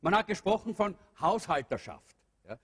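High-voiced husky preacher in a hall. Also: male voice, very animated, normal speed. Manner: earnest preaching with fillers and rhetorical questions. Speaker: pastor. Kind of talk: sermon. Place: church hall. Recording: long hall reverb.

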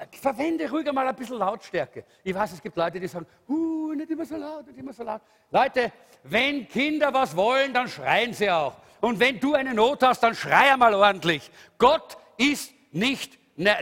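A man preaches an emphatic sermon. His voice sits high and swings widely in pitch. It rings out in a reverberant church hall. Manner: lively, emphatic preaching with calls of hallelujah. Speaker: pastor.

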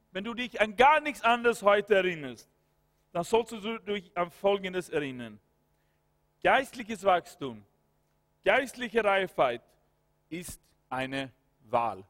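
A man's voice: high voice, a bit bright. A man preaching a fervent sermon, breaking into prayer and peppering his points with hallelujahs and amens. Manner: breaks into spoken prayer and commands. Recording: long hall reverb.

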